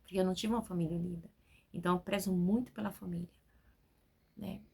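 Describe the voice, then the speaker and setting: A woman's voice: on the low side, steady tone, quick pace, vocal fry, a little mellow, husky. A woman in her forties, a preacher, speaking from home and giving a spontaneous, talkative testimony sermon that is full of "né?". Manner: spontaneous, talkative, keeps adding "né?".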